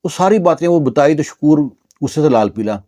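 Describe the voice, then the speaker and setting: A male storyteller narrates a village story in a chatty, meandering way. He uses plenty of fillers and restarts. His voice is mellow and sits a bit high. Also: expressive. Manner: conversational, repeats fillers.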